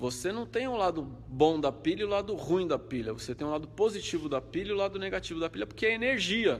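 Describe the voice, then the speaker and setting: This man's high voice races along very fast, his intonation lively. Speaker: Umbanda teacher. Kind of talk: live-stream lecture. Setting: live stream on social media.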